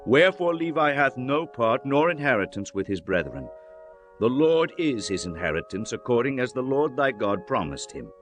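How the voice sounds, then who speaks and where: A man playing a solemn prophet exhorting his people in a measured, declamatory reading of dramatized scripture. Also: mid-range voice, big pitch swings, lightly acted. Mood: solemn recounting. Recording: music under the voice. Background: music.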